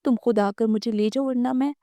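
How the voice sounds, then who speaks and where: Woman doing a desperate young woman, tearful and pleading, mellow voice, dry sound, audio novel. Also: on the high side, steady tone, dry recording, lightly acted.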